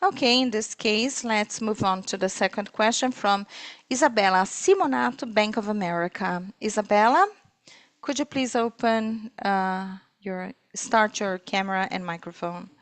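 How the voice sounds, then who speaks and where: A woman interpreting live on a corporate earnings call, speaking in halting, piecemeal phrases. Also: mid-range voice, no room sound. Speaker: simultaneous interpreter.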